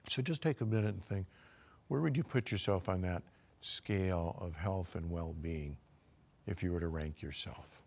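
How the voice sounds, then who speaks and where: An older male physician with a deep voice gives a calm, measured health lecture. He guides listeners through self-assessment questions.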